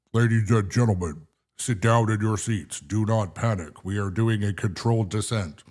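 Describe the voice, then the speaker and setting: Someone uses a put-on character voice in a calm tone, on a very clean recording with a silent background. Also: man, fairly low pitch for a man, moderate pace. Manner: calm, authoritative.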